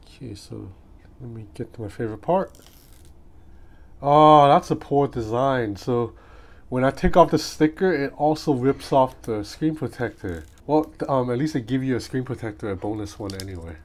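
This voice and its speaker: With a mid-range voice, lively intonation and a moderate pace, a man chats informally while unboxing a gadget, thinking aloud for his vlog. The recording, made in a small room at home, is clearly noisy from street sounds outside.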